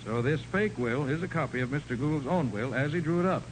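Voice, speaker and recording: An actor playing a brisk, stubborn, confident private detective in a 1940s radio drama, decisive and questioning. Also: male voice, fairly high pitch, natural voice. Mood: brisk, probing. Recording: noisy 1940s radio recording.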